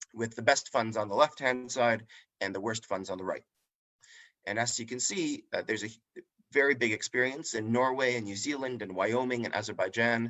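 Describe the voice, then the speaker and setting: A man speaks at a fairly quick pace. His pitch is medium and his intonation fairly even. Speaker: finance consultant, webinar speaker. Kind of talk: webinar presentation. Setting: online webinar. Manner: fast; hesitant, many fillers.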